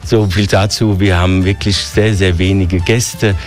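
A man from Hesse with a Hessian accent, a hotel director explaining his hotel in a radio interview in a relaxed, listing way. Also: deep voice, unhurried, soft background music. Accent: Hessian German. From Hesse, Germany.

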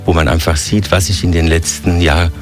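A man from Hesse with a Hessian accent, a hotel director explaining his hotel in a radio interview in a relaxed, listing way. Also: low voice, a little fast. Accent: Hessian German. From Hesse, Germany.

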